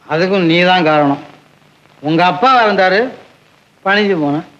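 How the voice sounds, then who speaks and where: An actor playing a young hero who feigns drunken despair, by turns bitter and gently teasing, in 1960s film acting. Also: male voice, high voice, unhurried. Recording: dull old film soundtrack.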